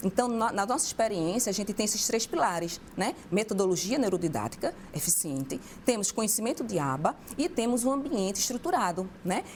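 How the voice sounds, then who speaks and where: A woman of medium pitch talks at a fairly quick pace with very wide pitch swings, over noticeable background noise. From Brazil, Pernambuco (Jaboatão dos Guararapes). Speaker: educational psychologist. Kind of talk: TV interview. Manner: hesitant fillers.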